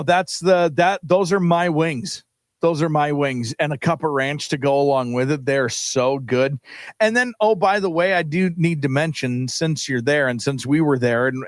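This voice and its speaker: A man, co-hosting a morning sports radio show and telling stories with excitement and frequent laughter. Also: fairly high pitch, no room sound. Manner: excited storytelling, laughs often. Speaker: co-host. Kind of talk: casual sports radio chat. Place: radio studio.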